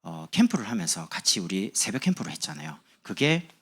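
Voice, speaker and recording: A man's voice: on the low side, very animated, a little fast, fairly bright tone, slightly rough. A man preaching as a pastor, speaking in a chatty, humorous sermon to his congregation in a church. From Busan, South Korea. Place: church sanctuary.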